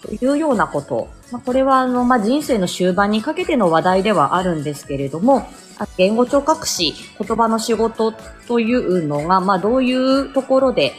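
Woman from aomori chatting on a morning stream, lots of ums and little laughs, soft music under her. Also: on the high side, lively intonation, moderate pace, hardly any pauses. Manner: chatty, many fillers, laughs often. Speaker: livestream host and speech therapist. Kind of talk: casual morning livestream chat reading comments.

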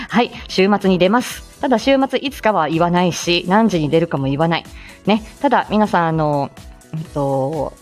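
A woman hosting a live stream in a casual, chatty way, often laughing between phrases. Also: fairly low pitch. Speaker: livestream host.

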